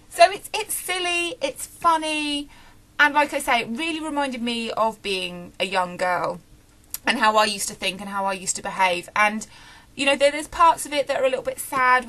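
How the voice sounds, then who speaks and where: A young woman with a British accent and a fairly high voice talks through a book review off the cuff. She is chatty, often pausing to find a word or correcting herself as she thinks aloud. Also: pushed and bright. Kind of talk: casual, unscripted video book review.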